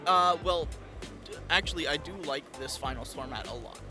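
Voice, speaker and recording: A man's voice: a little high, moderate pace, over music. A young man from Texas giving eager, opinionated answers outdoors at an event. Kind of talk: casual interview answers.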